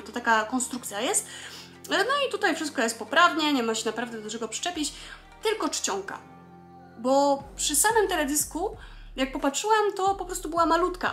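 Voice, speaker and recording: A woman's voice: high-pitched, a bit bright. A young adult woman from Poland explaining things in a casual, chatty vlog, with lots of filler sounds. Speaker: vlogger explaining Japanese.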